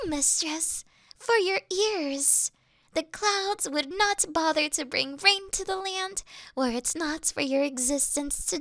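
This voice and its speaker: A woman's voice: very high voice, a bit bright, no echo, clean studio sound, heavily acted. A woman voicing a devoted female demon servant who worships her mistress, fawning and flustered in a scripted audio roleplay.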